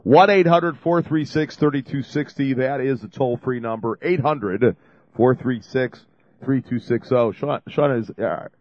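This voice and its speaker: A man's voice: mid-range voice, unhurried, no echo, dull audio. A man hosting a call-in radio show, talking in a chatty, rambling, jokey way while he has a cold. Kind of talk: casual call-in radio talk. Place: radio studio.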